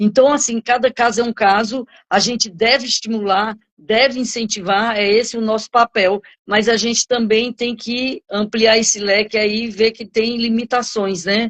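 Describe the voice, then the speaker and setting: This woman has a fairly high pitch and a moderate pace. Her intonation is monotone and flat. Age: 60s. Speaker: live-stream host. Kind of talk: casual chat. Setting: video call.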